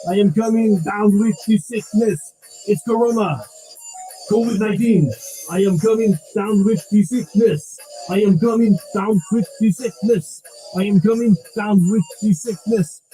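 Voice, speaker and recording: A sick, lonely trucker streamer, hoarse and scratchy-throated, whines and begs for donations, as a man plays him. His voice sits high for a man and comes out dark and mellow. He drawls slowly, with faint music underneath. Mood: droning song. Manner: whiny, self-pitying, coughing. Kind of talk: comic parody clip.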